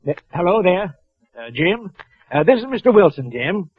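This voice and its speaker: A man's voice: sits high, sing-song, moderate pace, breathy edge, voice pushed up, full character voice. A man playing a nervous clerk faking a phone call. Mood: falsely friendly. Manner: hesitant, overly friendly on the phone. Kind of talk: 1940s radio acting. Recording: tinny old phone-line radio recording.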